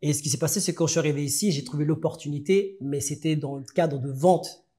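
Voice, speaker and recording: A slightly high-voiced man from France, guesting on a podcast interview, tells his story. He comes across as relaxed yet halting, frequently restarting his sentences.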